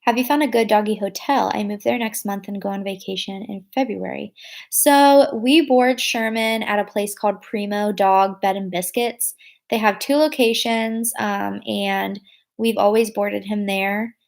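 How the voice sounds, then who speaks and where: A woman's voice: medium pitch, fairly even intonation, a little slow, gravelly. A young adult woman chatting casually to her viewers, rambling with lots of fillers and correcting herself as she goes. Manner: thinks aloud and corrects herself. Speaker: vlogger answering viewer comments. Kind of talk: casual live chat.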